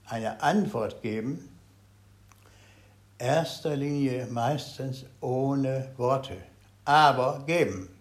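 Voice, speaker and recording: Older man giving a halting meditation talk. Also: mid-range voice. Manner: halting, searching for words, swings between loud and very soft. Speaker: Zen meditation teacher. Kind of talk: dharma talk to a meditation group.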